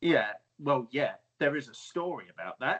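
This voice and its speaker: A man talks in a fairly high pitch. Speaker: football fan. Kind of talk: casual interview. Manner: hesitant, many fillers.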